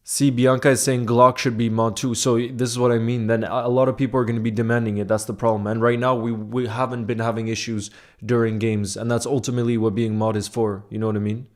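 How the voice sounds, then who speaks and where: A man's voice: mid-range voice, little pitch movement, fast talker, darkish tone. A young man hosting a casual livestream, chatting and reading viewer comments aloud. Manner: conversational, often asks "you know what I mean". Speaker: livestream host.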